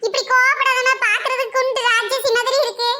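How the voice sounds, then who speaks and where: A woman voicing a cheeky young village daughter who answers back with sassy quick comebacks, in a cartoon comedy. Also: extremely high pitch, level tone, background noise, voice pushed up.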